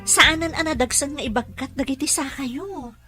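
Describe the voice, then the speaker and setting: Actress as a patient mom caregiver, highish voice, gentle, apologetic, radio drama. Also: female voice, normal speed, over music, lightly acted. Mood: apologetic, dutiful. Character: patient, dutiful mother working as a caregiver. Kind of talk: Filipino radio drama acting in Ilocano.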